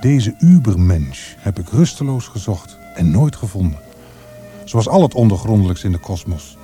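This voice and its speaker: Fervent, dark-voiced, haughty poet. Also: male voice, fairly low pitch, big pitch swings, moderate pace, faint music behind. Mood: solemn yearning. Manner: formal, solemn, fervent declamation. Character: intense, haughty male poet, passionately possessive and yearning. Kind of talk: Dutch radio drama acting.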